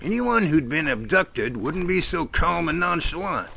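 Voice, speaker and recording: Man acting earnest professorial investigator, audio drama, slightly high pitch, gravelly, measured explanations, faint background noise. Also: very animated, bright, forceful tone, full character voice. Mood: earnest, pondering. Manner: measured, explanatory, speech-making. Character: earnest, self-assured male Bigfoot investigator, professorial. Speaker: actor in a Sasquatch audio drama. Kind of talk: amateur audio drama dialogue.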